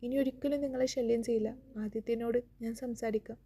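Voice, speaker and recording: A woman reading the lines of a remorseful woman who calmly gives up her child, in an audio romance story. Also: fairly high pitch, brisk, creaky. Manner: calm and reflective. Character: remorseful woman, calm and resigned.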